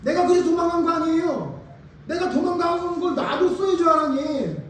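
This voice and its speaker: A man voicing a petulant, self-righteous male prophet who loudly complains to God in a whiny, indignant way. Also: extremely high pitch, lively intonation, rapid-fire, a little hiss or hum, voice pushed up. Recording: echoey church hall, distant mic.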